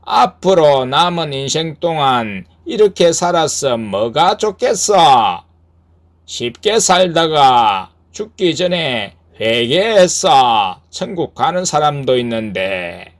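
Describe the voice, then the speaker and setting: A wheedling male devil slides through his lines, slow and sing-song, needling a listener to quit the hard road. His voice climbs and dips with a lively swing. A man puts him on while reading aloud. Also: a little high, voice pushed up. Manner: coaxing, needling. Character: sly tempting male devil.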